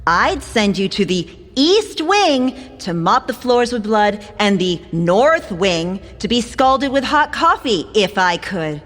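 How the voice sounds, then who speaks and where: A woman's voice: mid-range voice, sing-song, takes it slowly, hardly any pauses, fairly bright tone, big-room sound, exaggerated voice. An actress playing a haughty, icy female servant of the underworld in an audio drama, formal and disdainful. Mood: scornful.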